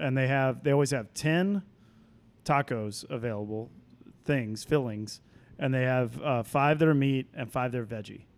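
A man with an American accent and a normal speaking voice talks at a moderate pace at medium pitch, with ordinary pitch variation. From Texas, Fort Worth. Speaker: brewery manager and beer journalist. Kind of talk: casual chat.

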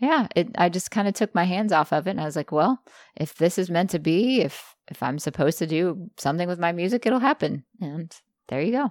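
A woman with an American accent and a plain, everyday voice speaks at a fairly quick pace in a fairly low pitch with lively intonation. The recording is very clean with a silent background and a dry, close sound with no echo. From US South, Jackson, Mississippi. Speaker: singer-songwriter and author. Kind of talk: casual interview chat.

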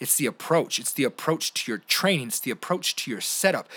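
Lively in intonation, a man speaks in an ordinary speaking voice pitched fairly high. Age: 20s. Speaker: podcast host and motivational speaker. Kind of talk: motivational monologue.

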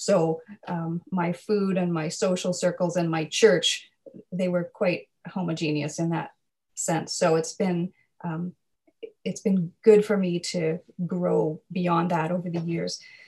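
Somewhat breathy and in a Canadian accent, the speech comes at a very slow pace with flat, monotone intonation. Long pauses break it up often. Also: woman, fairly low pitch for a woman. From Nova Scotia, Canada (Halifax). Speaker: children's book author. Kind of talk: interview conversation.

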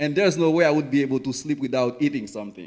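Lively in intonation, a man speaks in a fairly high pitch with a Haitian accent. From rural Haiti. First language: Haitian Creole or French. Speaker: graduate student. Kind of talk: testimony. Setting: church.

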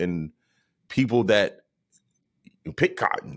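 A man with an American accent has a normal speaking voice and a fairly low pitch. He talks at a moderate pace with lively intonation. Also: very clean recording, silent background. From South Carolina. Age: 40s. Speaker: comedian and podcast host. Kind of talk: casual monologue. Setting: at home.

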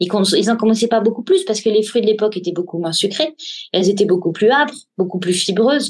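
A woman speaks at a very fast pace. Her pitch is fairly high and its variation ordinary. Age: 30s. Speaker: naturopath. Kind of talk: interview.

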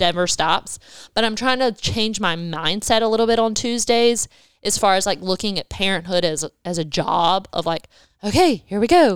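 A woman with an American accent uses a plain, everyday voice, medium in pitch with ordinary variation, at a moderate pace in a very clean recording with a silent background. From US South, Wilmington, North Carolina. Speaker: church ministry administrator and mom. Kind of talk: casual chat.

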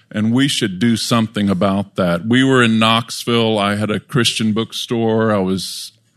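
Speaking with an American accent, this is a plain, everyday voice at a fairly slow pace. The intonation is fairly even against a quiet background. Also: man. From South Korea (American missionary family). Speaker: missionary. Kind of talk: talk to a men's breakfast group. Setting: live audience in a restaurant.

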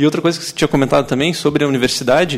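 A man speaks with ordinary pitch variation. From Pelotas, southern Brazil. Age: 20s. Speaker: startup co-founder. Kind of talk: radio interview.

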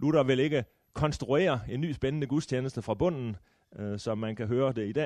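Moderate pace from a man at medium pitch, over a quiet background. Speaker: retired pastor and lecturer. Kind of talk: lecture. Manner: halting.

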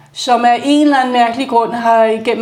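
A woman with a fairly high pitch speaks in a monotone, flat intonation, with audible room echo and noticeable background noise. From Copenhagen, Amager. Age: 60s. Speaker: art photographer. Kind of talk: interview conversation.

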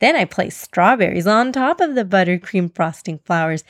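Lively intonation in reading aloud in a natural voice

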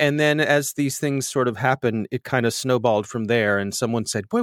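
A man with a normal speaking voice talks at a medium pitch and a fairly quick pace. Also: dry, close sound with no echo. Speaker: podcast host. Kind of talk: casual interview chat. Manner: good diction, modulated delivery.

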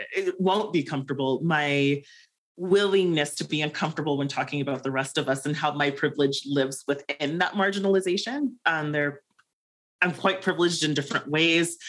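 Female voice with a very deep, low pitch, ordinary pitch variation and a fairly quick pace. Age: 30s. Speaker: podcast co-host. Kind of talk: casual chat.

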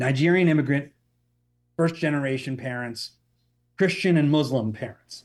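A man's fairly high voice with an American accent, at a moderate pace, with ordinary pitch variation, long, frequent pauses and a quiet background. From South Philadelphia, US. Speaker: media entrepreneur and filmmaker. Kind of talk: interview conversation. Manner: animated, repeats words when thinking.

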